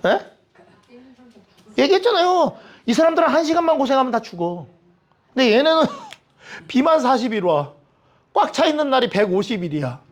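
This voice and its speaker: High, lively Bible study teacher. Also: male voice, normal speed, pauses often. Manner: lively, humorous, acts out quoted voices; asks the audience questions.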